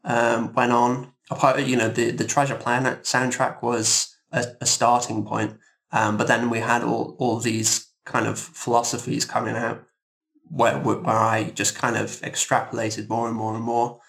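A man speaking as an interviewed guest in a thoughtful discussion, halting and reflective, often repeating words. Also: medium pitch, flat delivery, vocal fry, a bit bright, low-quality recording.

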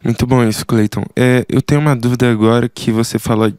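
A Brazilian podcast host asks his guest questions, pausing and searching for the right words. His voice is mid-pitched, smooth and resonant. It is recorded close and dry. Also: fairly even intonation, darkish tone, no echo. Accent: Brazilian Portuguese. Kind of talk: interview questions.

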